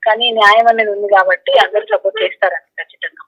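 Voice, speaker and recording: Over a tinny telephone line, a woman with a medium-pitched voice answers questions in a phone interview. She speaks rapid-fire and insistently, repeating her phrases.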